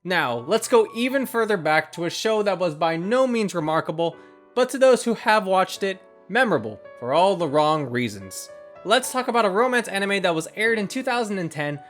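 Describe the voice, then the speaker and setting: High-pitched man narrating a video essay. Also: very animated, moderate pace, fairly bright tone. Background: background music.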